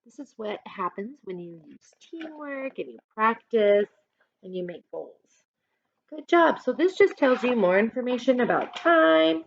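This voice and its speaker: A woman's voice: fairly high pitch, expressive, measured pace, creaky, no echo, muffled recording. A woman teacher reading a picture book aloud expressively, adding instructive asides and questions for listeners.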